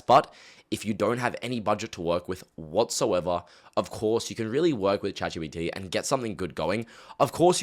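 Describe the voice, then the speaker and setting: A man giving a casual screen-recorded tutorial, talking in a chatty, direct way with lots of fillers. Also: on the low side. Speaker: YouTube automation coach.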